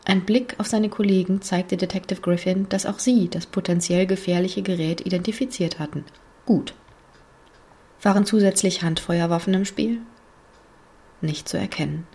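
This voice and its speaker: A woman narrating a thriller audiobook in a measured storytelling manner with hushed passages. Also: lowish voice, slightly rough.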